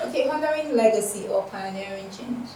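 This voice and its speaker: A woman's voice: mid-range voice, crowd noise. A Nigerian woman hosting a casual interview, asking teasing either-or questions. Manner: teasing, quick back-and-forth questions. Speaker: host. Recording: echoey room, distant mic, noisy.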